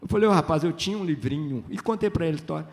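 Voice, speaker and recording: A slightly high-voiced older man from Minas Gerais, Brazil, races through chatty anecdotes as a writer at a literary festival panel. Lively and full of tag questions, he often acts out the dialogue.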